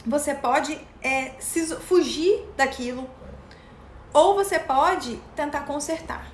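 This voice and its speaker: Brazilian woman, high voice, live-talk host, chatty and direct, echoey room. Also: slow, a little hiss or hum. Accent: Brazilian Portuguese. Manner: chatty, addresses viewers directly. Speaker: mental health content host. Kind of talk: casual live talk to viewers. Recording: roomy echo.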